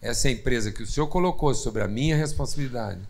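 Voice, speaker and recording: A man with a Brazilian Portuguese accent who talks about faith in conversation and backs up his co-speaker with quick agreement. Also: mid-range voice, gravelly, a little mellow. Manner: affirming, chimes in with agreement. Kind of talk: conversational Bible teaching.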